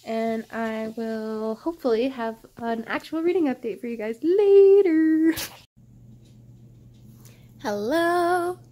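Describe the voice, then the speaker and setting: A woman's voice: fairly high pitch, dark tone, a little hiss or hum. Gushing, chatty young woman vlogger. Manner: gushing, swears often, chatty with lots of fillers. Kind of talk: casual chat.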